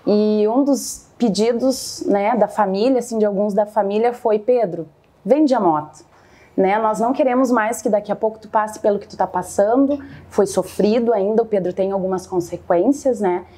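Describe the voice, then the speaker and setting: A woman's voice: mid-range voice, normal speed, dark tone. A middle-aged woman with a southern Brazilian accent, talking conversationally about her own experience as an interview guest. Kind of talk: conversational personal testimony.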